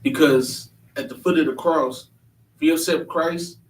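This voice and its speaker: A man's voice: a little high, fairly even intonation, unhurried. A man hosting a church panel discussion, talking earnestly and emphatically, often restarting his sentences. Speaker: panel host. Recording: echoey room, mic at a distance.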